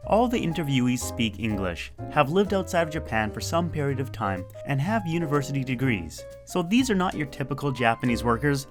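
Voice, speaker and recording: Male host, animated pitch, clear explanatory narration and casual interview questions.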